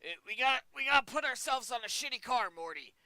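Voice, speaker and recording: Guy doing manic old cartoon scientist, raspy, stammering, high and lively, dry mic. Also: quick pace, no echo, heavily acted, poor audio. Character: manic old male mad-scientist cartoon character, burping drunk. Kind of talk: impression of a cartoon character.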